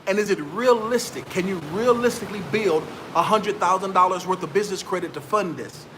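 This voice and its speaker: High-voiced man giving pep talk. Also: a little fast, background noise. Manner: preachy, repetitive, talks straight to viewers. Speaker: vlogger giving business advice. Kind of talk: motivational talk to camera.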